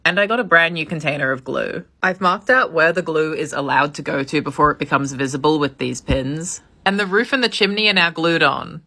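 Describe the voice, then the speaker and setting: A woman's voice: low-pitched, pushed and bright. A woman giving a matter-of-fact, step-by-step voice-over for a craft tutorial. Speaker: craft video creator.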